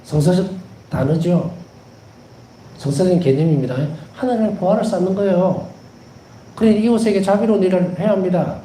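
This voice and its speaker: A Catholic priest giving a devotional lecture, repeating key words for emphasis and telling anecdotes with gentle humor. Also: male voice, sits high, fairly quick, long pauses, echoey room, a little hiss or hum, low-quality recording.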